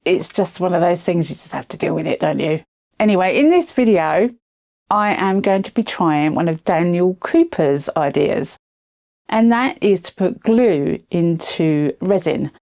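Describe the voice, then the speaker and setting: A woman with a cold, sounding croaky, chatting her way through a craft tutorial voice-over with friendly little asides. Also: lowish voice, animated, a little slow, darkish tone. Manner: chatty, self-deprecating asides. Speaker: resin craft video host.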